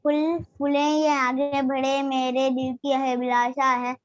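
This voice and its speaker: Contestant reciting a poem, slow and careful, lo-fi audio. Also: female voice, high-pitched, little pitch movement, dry recording.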